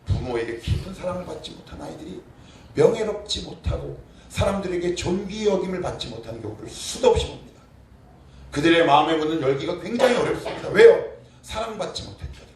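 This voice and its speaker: In a church sanctuary, a middle-aged man preaching a sermon speaks a little fast with a slightly high voice. Animated, he puts questions to the congregation and cries out prayers in a performed way. The recording is distant and echoey, with faint noise.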